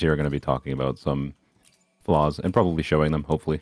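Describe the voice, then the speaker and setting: A man with a very deep, low pitch talks over music in the background. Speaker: video game streamer. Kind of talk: casual chat. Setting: voice call while live streaming.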